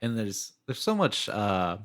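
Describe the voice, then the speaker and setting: A man co-hosts a casual music podcast. His voice is low yet bright and forceful, with very animated intonation that moves up and down freely. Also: unhurried. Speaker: podcast co-host.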